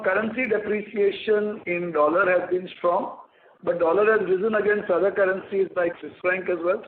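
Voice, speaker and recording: Echoey Indian executive on a conference call. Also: male voice, high voice, phone-quality sound. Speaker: company executive answering investor questions. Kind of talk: earnings call answers.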